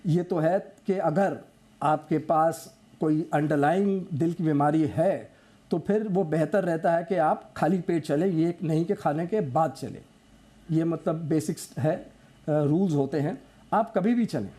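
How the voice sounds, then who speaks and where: A man's voice: on the high side, measured pace, mellow. A male doctor on a TV panel giving firm health advice and repeating his points in short lists. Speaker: doctor guest.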